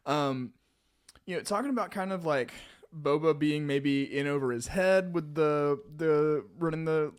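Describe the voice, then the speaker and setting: Male co-host, fairly high voice, casual banter, thinks out loud, dry recording. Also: measured pace, clean tone, no echo. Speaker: podcast co-host. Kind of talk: casual podcast banter and discussion.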